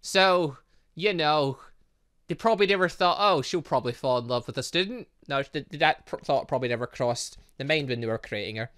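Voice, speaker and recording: A man's voice: fairly high pitch, brisk, fairly bright tone, clear, resonant tone. A man playing a visual novel, reading its lines aloud and joking about the story in casual chat. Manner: chatty, laughing asides, restarts mid-word. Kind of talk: casual let's-play commentary and reading game dialogue.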